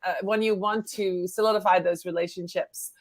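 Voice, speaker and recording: A woman from the Netherlands with a Dutch accent, a guest on a talk show, speaking in an upbeat, warm, chatty way. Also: fairly low pitch, normal speed. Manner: upbeat, warm, lively with laughs. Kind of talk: casual talk show conversation.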